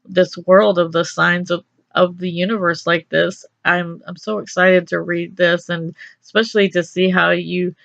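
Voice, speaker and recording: A woman's voice: lowish voice, little pitch movement, normal speed, gravelly, a bit bright, no echo, lo-fi sound. A middle-aged woman from Texas, a radio show host chatting with her guest in an upbeat, rambling way. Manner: chatty and upbeat, many restarts and laughs. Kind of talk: casual interview chat.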